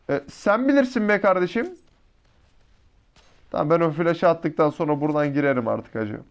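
A man giving excitable, slangy live commentary over a mobile shooter match, talking to his teammates and to his viewers. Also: on the high side. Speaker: mobile shooter gameplay YouTuber.

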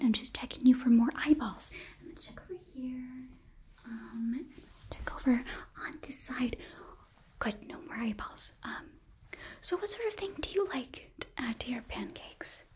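A young woman playing a cheerful, nurturing demon princess hotelkeeper in a whispered ASMR roleplay, breathy, gentle and halting, close to the mic. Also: high-pitched, full character voice. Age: young adult. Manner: gentle, bubbly, halting, reassuring. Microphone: close microphone, facing camera.

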